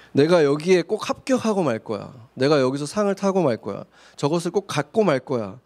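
Male pastor, Sunday sermon, reads scripture then explains, asks many questions, somewhat high voice. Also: darkish tone.

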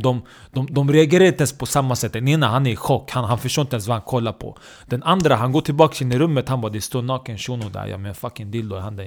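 Profane man telling a comic story. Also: mid-range voice. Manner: profane, animated, checks in with the listener. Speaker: comedian.

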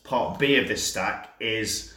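Deep-voiced man coaching in an echoey room. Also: takes it slowly, pushed and bright. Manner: chatty, explains step by step with fillers. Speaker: dating coach. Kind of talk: casual instructional podcast chat.

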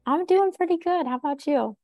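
A woman's voice: very high-pitched, a little fast, warm tone, soft background music. A woman hosting a podcast, speaking in a casual interview style. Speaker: podcast host.

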